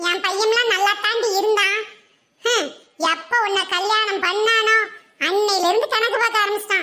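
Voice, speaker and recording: A woman's cartoonish character voice, extremely high in pitch, with very even loudness, fairly even intonation and a moderate pace. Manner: scolding, complaining.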